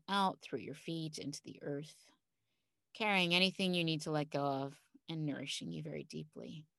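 Female coach for a calm grounding exercise: lowish voice, gentle and soothing, recorded dry in a recording space. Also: clear, resonant tone, no room sound. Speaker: coach leading a guided calming exercise.

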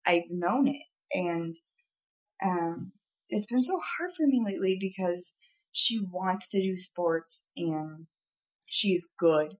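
A woman's voice: on the low side, slow. Earnest, rambling woman on a podcast. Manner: earnest, rambling with many fillers and restarts. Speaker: podcast co-host. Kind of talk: casual chat. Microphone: studio podcast mic.

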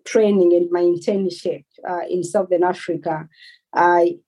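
A Malawian woman in her forties, a doctor answering interview questions in a measured, earnest way. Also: on the low side, steady tone, mellow, husky. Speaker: guest, consultant doctor.

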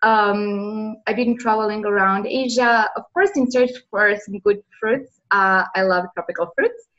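A woman from Serbia, answering interview questions earnestly with many pauses, heard over a remote call. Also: medium pitch, fairly bright tone, muffled recording. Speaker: interview guest.

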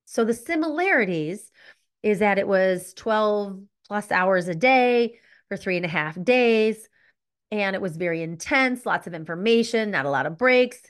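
A woman's voice: mid-range voice, expressive, a little slow. A middle-aged woman hosting a solo podcast, telling a personal story candidly and reflectively, often stopping to correct herself. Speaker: podcast host.

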